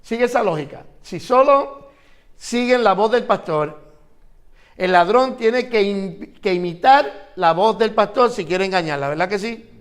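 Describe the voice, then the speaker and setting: A man's voice: high voice, expressive, unhurried. A man teaching an interactive Bible class, asking his students questions and repeating phrases for emphasis.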